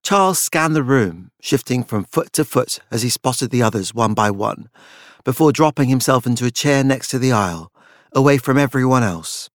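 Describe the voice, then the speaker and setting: A man's voice: mid-range voice, animated, normal speed, dry recording. Male audiobook narrator for literary fiction, middle register, dry studio sound. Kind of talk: scripted literary fiction narration with character voices.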